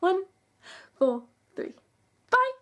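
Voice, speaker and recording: A woman's voice: extremely high pitch, big pitch swings, very slow, bright, forceful tone. A young woman speaking as a YouTuber in an earnest, emphatic, conversational video essay addressed to her viewers. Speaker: YouTuber, creator and host. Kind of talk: video essay to camera, semi-scripted.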